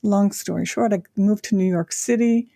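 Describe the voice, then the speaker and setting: Older woman guest from Japan, husky low voice, unhurried and reflective with many pauses, dry sound. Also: dark tone, no echo. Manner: reflective, with frequent pauses and fillers. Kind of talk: casual interview chat.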